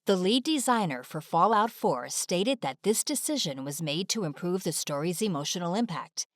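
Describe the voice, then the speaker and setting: A woman's voice: fairly low pitch, expressive, moderate pace, dry recording, clean studio sound. A woman delivering scripted video essay narration in a polished, presentational manner.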